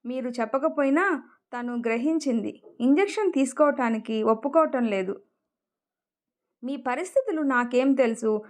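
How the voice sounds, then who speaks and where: Woman voicing a calm woman doctor, sincere, soothing, high voice, audio storybook. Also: moderate pace. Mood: gentle persuasive. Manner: soothing, persuasive.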